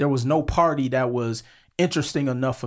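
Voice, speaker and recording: A man with an American accent, fairly quick and animated, with ordinary pitch variation. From Milwaukee, Wisconsin (US Midwest). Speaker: entrepreneur and credit educator. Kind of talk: casual interview.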